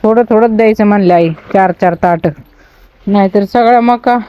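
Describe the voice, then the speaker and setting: A homely village woman talks her viewers through her day outdoors. Her voice sits at an ordinary middle pitch and comes through a slightly muffled phone recording. Farm animals can be heard behind her. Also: moderate pace, clear, resonant tone. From Ahilyanagar district, Maharashtra, India. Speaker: village family vlogger. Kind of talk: casual vlog narration.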